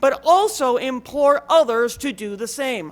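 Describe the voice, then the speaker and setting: A loud woman's high-pitched voice with an American accent. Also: very clean recording, silent background. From Bridgewater, Massachusetts, US New England. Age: 40s. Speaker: finance committee chair speaking at public comment. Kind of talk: public comment speech at town meeting. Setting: town hall meeting. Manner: impassioned, emphatic.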